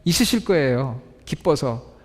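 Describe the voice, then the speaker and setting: A man preaching a sermon to his congregation, asking them questions and reading scripture slowly. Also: medium pitch, lively intonation. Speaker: pastor. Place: church sanctuary. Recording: reverberant church hall.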